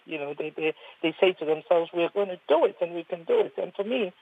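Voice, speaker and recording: Older ghanaian woman doctor on a panel, earnest, kinda husky, sounds like a phone line. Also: fairly low pitch, fast. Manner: earnest, emphatic, repeats words when restarting. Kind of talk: panel discussion.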